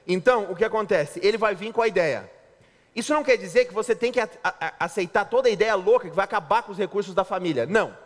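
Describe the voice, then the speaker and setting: A man's voice: high voice, quick pace. A man preaching a sermon as pastor, with a Brazilian Portuguese accent, joking and acting out what husbands and wives say. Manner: lively, joking preacher acting out spouses' lines. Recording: reverberant hall.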